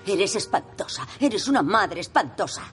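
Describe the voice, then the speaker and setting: A woman's voice: medium pitch, very animated, normal speed, soft background music, close to an everyday voice. An actress dubbing a cutting, sarcastic middle-aged mother. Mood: cold. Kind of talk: Spanish film dub.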